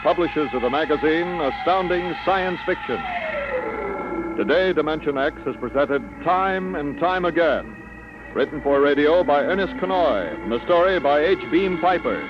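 A man's voice: on the high side, lively intonation, normal speed, poor audio. A man reading scripted credits as a 1950s radio announcer. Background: music.

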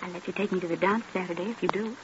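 A woman playing a devoted young sweetheart, gentle and pleading, in a 1930s radio drama. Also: lowish voice, fairly even intonation, racing, highs cut off, a little hiss or hum, close to an everyday voice. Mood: coy, teasing. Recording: quiet, band-limited 1930s radio recording.

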